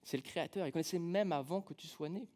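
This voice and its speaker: A man's voice: on the high side, quick pace, darkish tone. A man with an accent from France, preaching a conversational sermon in a church, casual and humorous, telling personal stories with many fillers. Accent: French from France. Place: church sanctuary.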